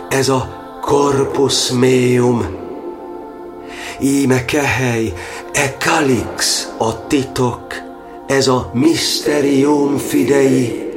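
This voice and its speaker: An actor playing a persecuted, devout Catholic cardinal in prison, delivering a solemn poetic monologue in a declamatory liturgical manner for an audio drama. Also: male voice, mid-range voice, lightly acted. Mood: solemn, reverent. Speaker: actor in a monodrama.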